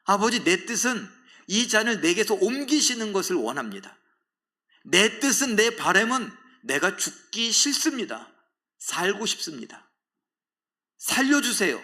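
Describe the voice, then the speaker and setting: A man voicing an anguished grown man who pleads in prayer to be spared from death, drawn-out and trembling. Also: a little high, animated, bright, forceful tone. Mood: anguished pleading.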